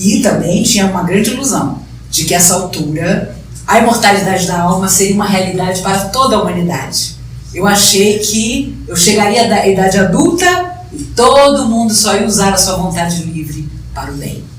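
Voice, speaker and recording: A woman at a moderate pace and medium pitch with ordinary pitch variation, amid noticeable background noise and audible room echo. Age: 60s. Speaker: spiritist lecturer. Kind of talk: lecture.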